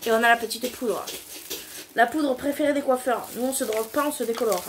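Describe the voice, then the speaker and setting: A woman's voice: on the high side, a little fast, a little hiss or hum. A young woman with a southern French accent chatting casually at home while doing a DIY hair treatment, giggling and swearing loosely. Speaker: beauty vlogger. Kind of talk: casual chat.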